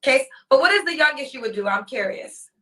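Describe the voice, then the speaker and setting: High, bright-voiced woman host. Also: animated, a little fast, recorded from a distance. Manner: teasing, probing questions. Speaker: podcast host. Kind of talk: casual interview.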